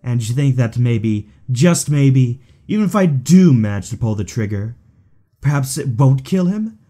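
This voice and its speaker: A man's voice: mid-range voice, lively intonation, measured pace, dark tone. A man playing a suave, theatrical villain in an audio drama, taunting his rival with mock affection. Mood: mock-tender. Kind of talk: fan audio drama acting.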